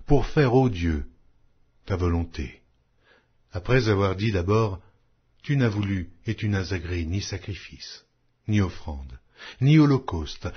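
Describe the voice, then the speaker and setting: A man with a fairly low, husky voice reads scripture solemnly. His phrasing is measured and declamatory, with strongly varied intonation that rises and falls across each passage. He sounds like an audiobook narrator reading from a script. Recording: dull lo-fi audio.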